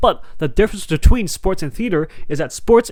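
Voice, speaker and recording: This man's intonation is lively, and his pace runs fairly quick. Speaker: comedy video creator. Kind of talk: comedic commentary. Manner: theatrical, expressive delivery.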